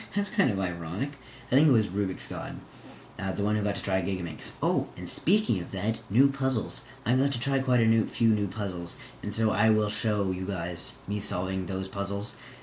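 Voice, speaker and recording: Audible room echo is present as a man speaks at a fairly low pitch. His pace is moderate and his pitch variation ordinary. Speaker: YouTuber, speedcuber. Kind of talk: casual vlog recap. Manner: rambling, halting with fillers.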